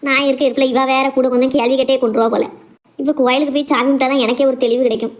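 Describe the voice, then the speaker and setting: A woman's voice: high voice, steady tone, very fast, voice pushed down, natural voice. Woman doing a weary, scolding mother. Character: weary, cautious middle-aged mother.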